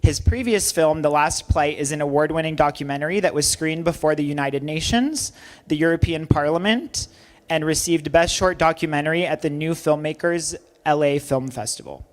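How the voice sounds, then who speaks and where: A man's voice: fairly high pitch, normal speed. A man hosting an event, reading a formal introduction and then interviewing the guest.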